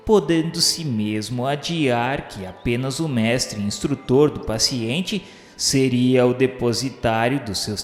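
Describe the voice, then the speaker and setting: A man narrating a radio drama as a solemn witness recounting the afterlife, in formal, measured literary speech. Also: mid-range voice, lightly acted. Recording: roomy, long reverb.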